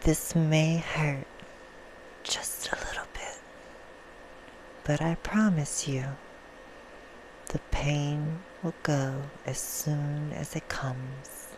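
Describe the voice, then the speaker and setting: Noisy backdrop; woman as soothing, menacing female vampire, hushed and unhurried, for an ASMR bedtime story. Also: low voice, steady tone. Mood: soothing, sinister. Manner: slow, hushed storytelling, drifting into whispers. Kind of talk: ASMR roleplay. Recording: clear background noise.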